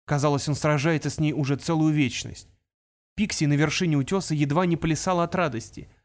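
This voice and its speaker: A man's voice: on the high side, fairly even intonation, fairly quick. Man narrating an audiobook dramatically.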